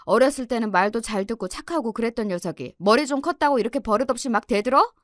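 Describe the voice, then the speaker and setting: A woman voicing a gruff, hot-tempered middle-aged father who scolds sternly. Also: a little high, fast talker, no echo, clean studio sound, lightly acted. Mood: stern scolding.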